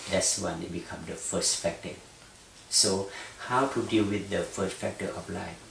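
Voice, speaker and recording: Over noticeable background noise, a man talks at a fairly slow pace. His intonation is fairly even, and room echo is audible. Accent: Thai. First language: Thai. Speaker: Buddhist monk, meditation teacher. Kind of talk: dharma talk. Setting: private house. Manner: halting.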